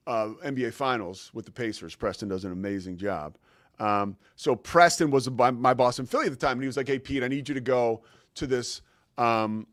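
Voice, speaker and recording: A man's voice: medium pitch, a bit bright, no echo, studio quality. A man in his forties hosting his own show, telling a long personal story in a casual, rambling way with lots of fillers and restarts. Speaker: show host.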